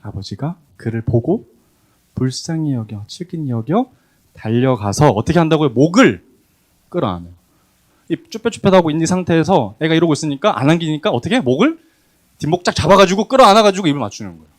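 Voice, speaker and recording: A man preaching a sermon, acting out the quoted voices with animated emphasis. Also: a little high, fairly quick. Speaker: pastor.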